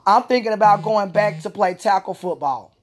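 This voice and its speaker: This woman speaks at normal speed and medium pitch, her tone a little mellow. A Special Olympics athlete, she rants through a vlog monologue, frustrated and cursing, going over the same points again and again.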